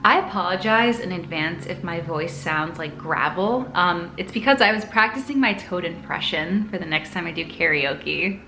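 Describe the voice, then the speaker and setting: Bright-voiced young woman vlogger in a roomy space. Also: lowish voice, animated, normal speed, few pauses, slight background noise. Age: 20s. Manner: bubbly, playful, hyperbolic. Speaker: sewing vlogger. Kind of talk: casual chatty vlog. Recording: roomy echo, music behind. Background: music.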